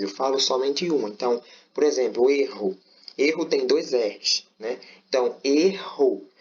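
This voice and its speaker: A man teaching a grammar lesson online, explaining step by step and often checking in with his students. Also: medium pitch. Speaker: Portuguese teacher. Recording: slightly dull, lo-fi audio.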